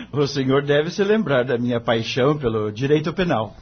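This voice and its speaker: A man's voice: medium pitch, animated, unhurried, husky, dull audio. A man playing an earnest, disheartened young lawyer, politely questioning his mentor in a dramatized audiobook. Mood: wistful.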